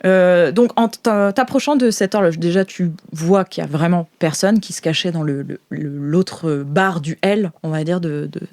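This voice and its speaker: A woman's voice: lowish voice, normal speed, few pauses, a little mellow. A woman narrating an improvised tabletop game as game master, in an informal, descriptive and hesitant way.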